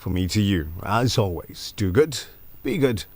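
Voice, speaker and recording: A man hosts a live community radio breakfast show. He talks in a relaxed, chatty way, and his pitch moves around a lot as he reads out listener messages. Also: a little slow, dry recording.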